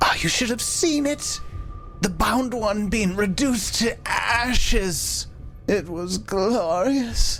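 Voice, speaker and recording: Through clear background noise, a man in a put-on character voice speaks very slowly at an extremely high pitch. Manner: shouting excitedly, gloating.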